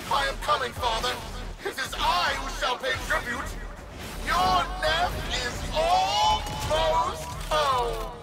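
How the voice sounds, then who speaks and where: Vain game-villain tycoon, high voice, slow grandiose delivery, loud music behind. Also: male voice, heavily acted. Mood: indignant, commanding. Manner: grandiose, oratorical. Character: pompous, vain, theatrical male corporate magnate seeking power. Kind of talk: video game villain acting.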